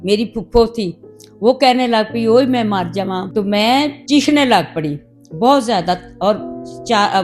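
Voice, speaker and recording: Emotional older woman. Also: fairly high pitch. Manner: heartfelt, reliving painful memories. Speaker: interviewee telling her life story. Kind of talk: emotional personal storytelling. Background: soft background music.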